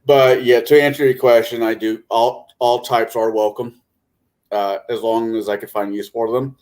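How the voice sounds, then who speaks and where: A man's voice: medium pitch, level tone, moderate pace, a little mellow. A man chatting casually as a game master on a panel, rambling and hesitant as he corrects himself. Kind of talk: casual chat about tabletop gaming.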